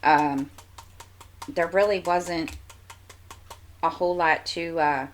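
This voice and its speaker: Woman, low voice, stuffy nose, relaxed rambling crafting vlogger. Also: slow, slight background noise. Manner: chatty, meandering, many fillers and restarts. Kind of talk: casual rambling chat.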